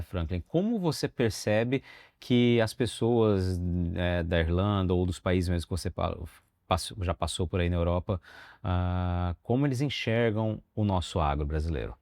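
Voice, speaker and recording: Deep-voiced Brazilian podcast host. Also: male voice, animated, moderate pace, a little mellow. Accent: Brazilian Portuguese. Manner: asks long questions with fillers. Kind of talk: interview questions.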